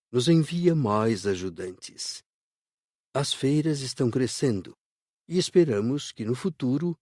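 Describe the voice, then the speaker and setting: A man playing a kindly spirit worker who explains things in a measured way for an audiobook. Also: medium pitch, a little mellow, no echo, clean studio sound. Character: adult male spirit worker guiding visitors, kindly and instructive. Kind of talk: scripted audiobook dialogue.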